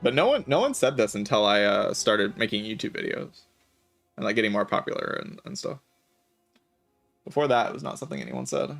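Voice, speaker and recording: A man streaming a game, chatting casually in a relaxed, raspy voice with vocal fry, often saying "like". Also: fairly low pitch, brisk, faint music behind. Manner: relaxed, laid-back, chatty with filler "like". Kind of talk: casual chat while gaming.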